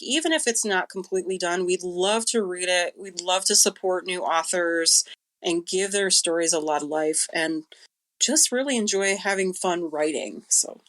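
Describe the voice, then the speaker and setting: A woman's voice: lowish voice, a bit bright. A woman chatting casually and explaining things as a guest on a podcast.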